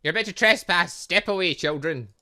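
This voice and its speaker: A man's voice: high-pitched, fairly quick, pushed and bright. A man voicing a stern, haughty woman in a visual novel game, curt and condescending. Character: stern, haughty older-sister woman guarding a cafe.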